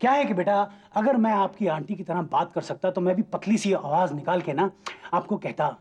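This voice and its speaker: A man's voice: high-pitched, fairly quick, darkish tone, husky. An actor in a TV serial playing a doting, teasing father with a wistful side. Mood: playful, teasing. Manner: teasing, theatrical, mock-formal with the child. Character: playful, doting father of a young child, secretly wistful. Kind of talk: Hindi TV serial drama acting.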